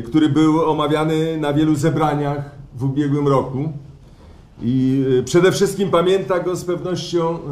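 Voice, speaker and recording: An actor playing a formal conference chairman in a radio play, halting and pompous as he addresses colleagues. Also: fairly high pitch. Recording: echoey hall-like stage sound.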